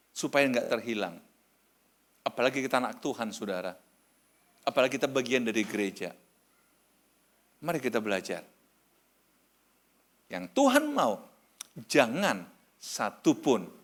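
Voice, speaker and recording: A middle-aged male pastor preaching a sermon, telling a story with lively acted-out exclamations. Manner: animated storytelling, acting out voices, sudden high exclamations.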